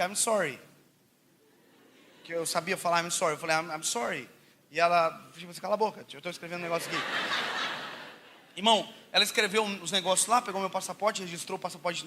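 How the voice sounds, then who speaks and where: A high-pitched man from Brazil preaches with rapid, bright energy, telling stories that keep breaking into laughter. He swings between shouted lines and quiet asides. A faint ambient hum sits behind his voice. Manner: animated, jokey, laughs often, swings from loud to hushed. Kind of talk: sermon with comic storytelling.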